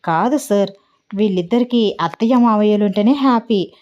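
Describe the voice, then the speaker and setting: A woman voicing a sharp-tongued young mother who scolds her children and husband in quick, exasperated bursts, as part of a read-aloud story. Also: medium pitch, highs cut off, lightly acted. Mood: teasing.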